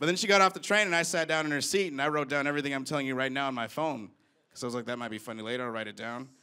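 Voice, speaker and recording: Speaking at a very fast pace with lively intonation, a man with an American accent has a bright, sharp tone. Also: fairly high pitch for a man. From Chicago. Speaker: stand-up comedian. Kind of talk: stand-up. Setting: stage with audience.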